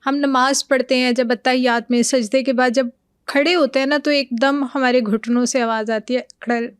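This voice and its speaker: A young woman hosting a podcast, asking curious questions and nodding along with short affirmations. Her voice sits a little high. The sound is dry and close. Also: steady tone, clear, resonant tone, no room sound. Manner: inquisitive, frequent affirming interjections. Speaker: podcast host. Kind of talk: interview questions, casual.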